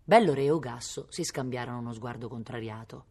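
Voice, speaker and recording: A woman reading a novel aloud at a library, expressive and storytelling. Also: a bass voice, fairly quick, breathy edge. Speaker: reader at a public library.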